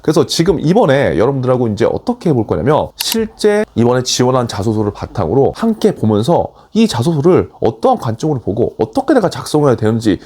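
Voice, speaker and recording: A man's voice: mid-range voice, a little mellow, husky. A man giving an online lecture as a job application coach, emphatic and urging, often switching into blunt casual speech.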